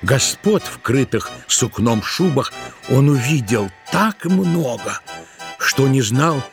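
A man narrating a literary tale as part of an audio drama, in an expressive, dramatic storytelling manner. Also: mid-range voice, slow, over music.

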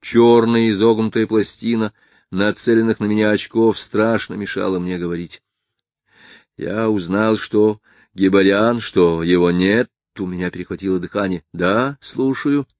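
Low-voiced male audiobook narrator. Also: level tone, normal speed, darkish tone, no echo. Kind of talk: first-person literary audiobook reading.

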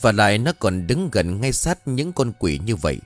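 A man narrating a scripted ghost story in an expressive storytelling manner. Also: on the low side, normal speed, dry recording. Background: faint background music.

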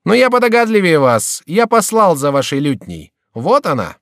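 A man's voice: fairly high pitch, sing-song, fairly bright tone, no room sound, pitched above the performer's own voice. A witty court jester, put on by a male reader, jabs with sarcasm in a raised voice that leaps up and down. The recording is close and dry. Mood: mocking. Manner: sarcastic, quick-witted. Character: sly male jester, sharp and mocking.

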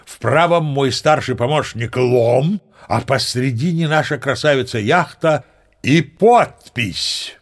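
A man's voice: medium pitch, slow pace. An actor playing a boastful old sea captain who tells tall tales expressively in an audio play, savoring his words. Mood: flustered, dismayed. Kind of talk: theatrical storytelling in an audio play.

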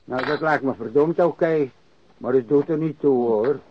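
An actor playing a crusty old warehouse worker and ex-sailor who grumbles and rambles bluntly, in a radio drama. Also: male voice, medium pitch, normal speed, a little hiss or hum, close to an everyday voice. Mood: gruff. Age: older. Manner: grumbling, rambling, cursing, repeats himself. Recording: dry, dull lo-fi radio recording.

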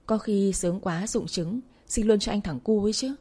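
A woman's voice: mid-range voice, normal speed, warm tone, lightly acted. A woman voicing a leering, arrogant young man who mocks his ex-girlfriend in crude taunts. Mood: mocking.

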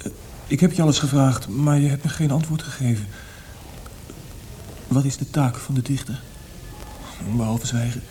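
An actor in a radio play voicing a gravely ill, melancholy man, speaking weakly and haltingly to a friend. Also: mid-range voice, steady tone, dark tone, a little hiss or hum, close to an everyday voice, poor audio. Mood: insistent, grave. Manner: wistful, faltering, repeats words.

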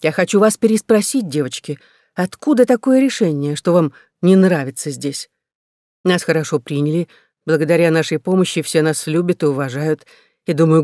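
A man voicing a nun of almost sixty, anxious and caring, speaking with soft hesitation. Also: on the high side, no echo, studio quality, close to an everyday voice.

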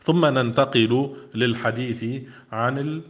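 A man's voice: medium pitch, a little slow. Man teaching grammar, dull lo-fi sound. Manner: reads a text aloud, then explains it with questions to the listeners. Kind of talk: classroom grammar lesson.

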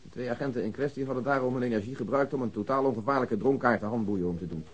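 An actor playing a wry, matter-of-fact police detective in a Dutch radio crime drama, briefing in an orderly way. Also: male voice, mid-range voice, racing, breathy edge, lightly acted. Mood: formal, measured.

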